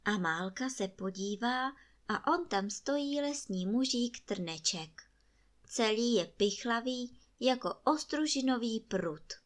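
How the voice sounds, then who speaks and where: A woman storyteller reading a bedtime fairy tale aloud in a calm, expressive way. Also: a little high.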